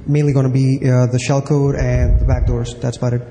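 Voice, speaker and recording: Young guy co-presenting at a conference, warm mellow voice, flat delivery, echoey hall. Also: medium pitch, brisk. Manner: casual, filler-heavy explaining. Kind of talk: technical conference talk. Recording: echoey hall, faint noise.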